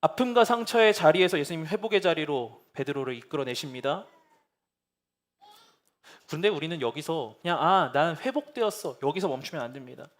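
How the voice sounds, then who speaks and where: High-voiced earnest male pastor preaching. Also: animated, a little fast. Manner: earnest, swings from soft consoling to fervent pleading. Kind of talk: sermon. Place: church sanctuary.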